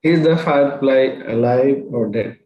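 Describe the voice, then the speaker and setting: A man, a spiritual teacher telling a story to an online group, slow and pausing, often asking his listeners questions. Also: mid-range voice, mellow, lo-fi sound. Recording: roomy echo.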